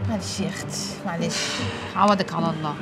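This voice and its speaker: A woman's voice: fairly high pitch, very fast, loud music behind the voice, close to an everyday voice. Teasing Egyptian best friend, actress playing her. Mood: consoling. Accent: Egyptian Arabic. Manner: teasing, consoling. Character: young woman, loyal cheery friend. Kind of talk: TV drama acting.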